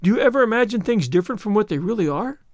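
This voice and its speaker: Audiobook role: young orphan girl, excitable and wordy, high lilting delivery, very dry recording male reader. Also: normal speed, no room sound. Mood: wistful, eager. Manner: earnest, gushing, wordy. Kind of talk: audiobook character voice.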